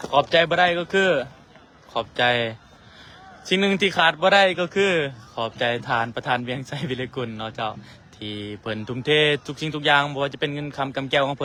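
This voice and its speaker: A man with a Lao accent hosting a livestream, formally thanking sponsors and officials in a measured way. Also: medium pitch, bright, forceful tone, a little hiss or hum. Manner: formal and measured, full of tag particles. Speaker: livestream host.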